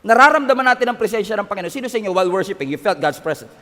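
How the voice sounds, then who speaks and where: A man's voice: sits high, rapid-fire. A man preaching a sermon, switching between Tagalog and English, often asking the crowd for an amen. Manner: Taglish preaching, animated, calls for amens. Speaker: pastor. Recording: long reverb of a hall.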